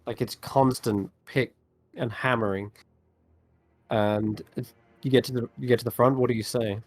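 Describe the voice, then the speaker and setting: A man's voice: medium pitch, steady tone, moderate pace. Male game master narrating a tabletop scene.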